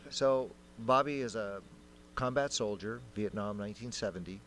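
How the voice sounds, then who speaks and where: A man's voice: fairly low pitch, moderate pace, slight background noise. A man, a council member, giving a heartfelt, informal tribute to a veteran at a city council meeting. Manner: warm, informal storytelling.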